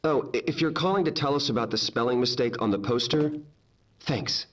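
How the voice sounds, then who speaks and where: A man voicing a young male school newspaper answering machine, giving a brisk recorded phone greeting. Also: mid-range voice, recorded from a distance, background noise, lightly acted. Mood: cheery. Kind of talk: video game voice acting.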